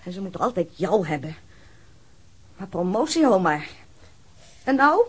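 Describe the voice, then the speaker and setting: An actress playing an aggrieved, reproachful wife of a police detective in a radio drama, complaining bitterly. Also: female voice, mid-range voice, sing-song, measured pace, husky. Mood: hurt, bitter.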